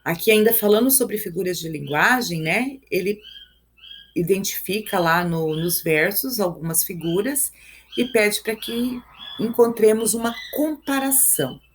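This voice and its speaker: A woman's voice: medium pitch, unhurried, slightly rough. Brazilian woman teaching step by step. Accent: Brazilian Portuguese. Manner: explains step by step, counts syllables aloud, tags lines with "né?" and "ok?". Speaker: Portuguese teacher. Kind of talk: live review lesson.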